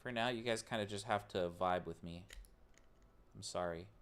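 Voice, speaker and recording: Working on a robot during a live stream, a man rambles to chat and mocks himself as he tinkers. His voice is on the low side yet fairly bright and clean, delivered at a moderate pace.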